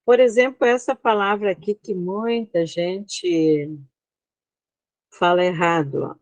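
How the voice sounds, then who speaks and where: A woman's voice: lowish voice, slow, dry recording. A Brazilian woman teaching an online class, explaining slides step by step and often checking that her students follow. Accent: Brazilian Portuguese.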